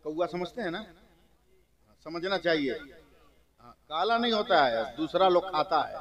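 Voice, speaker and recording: High-voiced male preacher telling parables. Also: lively intonation, measured pace, dull audio. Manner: colloquial, often checks the crowd follows; builds to loud shouting climax. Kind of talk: sermon storytelling.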